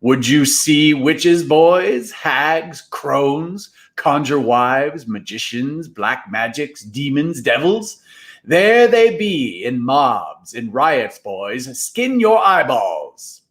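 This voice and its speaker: A man voicing an eerie, ancient male guide who declaims slowly and grandly. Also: medium pitch, sing-song, fairly bright tone, full character voice. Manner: drawling, slow, grandly declaiming.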